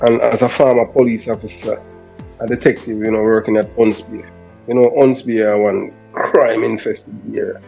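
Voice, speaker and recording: A Jamaican man chats as a guest in loose patois with Rasta turns of phrase. His voice is fairly low and mellow, heard through a dull, lo-fi recording. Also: flat delivery, moderate pace, creaky. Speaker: guest, former police officer. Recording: dull lo-fi sound, music behind.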